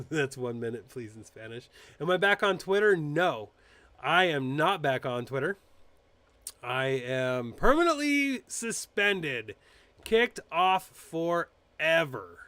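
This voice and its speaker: Speaking slowly in a fairly high voice with no room sound, a male political commentary host chats casually on a live stream. He ridicules public figures through animated, mocking impressions, often restarting and using fillers.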